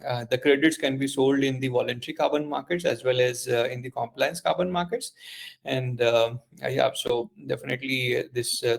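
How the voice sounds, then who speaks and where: Halting Indian man, creaky voice. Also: mid-range voice. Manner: halting, hesitant delivery. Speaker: company executive answering investor questions. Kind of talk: earnings call answers.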